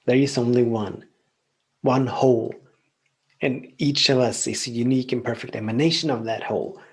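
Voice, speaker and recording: A man whose first language is Swedish, hosting a podcast and calmly giving a reflective spiritual teaching monologue, often repeating phrases in long lists. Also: medium pitch, moderate pace, breathy edge. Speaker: podcast host.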